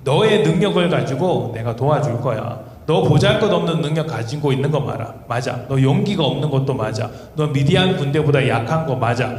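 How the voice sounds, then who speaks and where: Man playing a gentle reassuring God, slow delivery, long reverb. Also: mid-range voice, animated, close to an everyday voice. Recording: echoey hall, faint noise.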